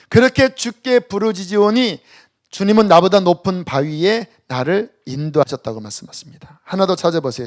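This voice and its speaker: During a church worship service, a man preaches in a high-pitched voice, leading the congregation through scripture read aloud. His delivery swings from loud exhortation to hushed near-whispers.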